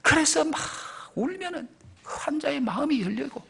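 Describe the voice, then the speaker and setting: A Korean senior pastor preaching a Sunday sermon with passion, repeating phrases and swinging from loud emphasis to near whispers. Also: male voice, extremely high pitch, expressive, moderate pace, vocal fry. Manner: impassioned preaching, rises loud then drops to near whispers.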